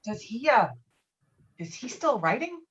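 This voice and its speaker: A woman's voice: fairly high pitch, sing-song, a little slow, a bit bright, lo-fi sound. A woman playing a brash, foul-mouthed, domineering man in a script table read, talking in a blustering, insistent way. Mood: politely loud. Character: brash, foul-mouthed, domineering male friend named Walter. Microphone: video call.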